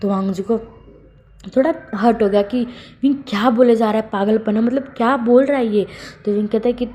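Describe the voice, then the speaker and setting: A woman's voice: on the high side, fairly even intonation, fairly quick, mellow. A woman casually narrating a fan fiction story, rambling with many fillers and corrections. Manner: rambling, heavy use of fillers and self-corrections.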